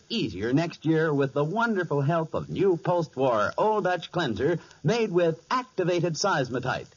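A male announcer from old-time radio delivers scripted copy with emphatic polish. His voice is fairly high and very animated, with a husky grain, on a dull recording. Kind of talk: 1940s radio announcing, scripted sales pitch.

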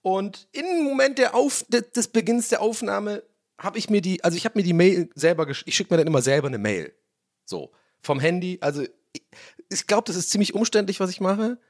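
A young man, slightly hoarse, hosting his own podcast from a room at home and ranting in a casual, swearing way. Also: high voice, animated, fairly quick, a little mellow. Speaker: podcast host. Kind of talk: casual solo podcast monologue. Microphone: own studio mic.

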